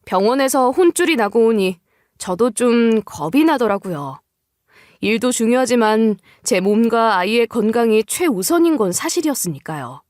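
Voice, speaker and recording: A woman's voice: a little high, expressive, moderate pace, darkish tone, dry recording, studio quality. A woman reading a scripted first-person story as its narrator.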